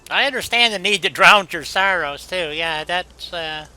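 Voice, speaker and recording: High, bright-voiced rambling man gamer. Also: moderate pace, smooth, poor audio. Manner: rambling, folksy, full of "you know". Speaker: game streamer. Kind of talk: casual gameplay commentary chatting with a viewer.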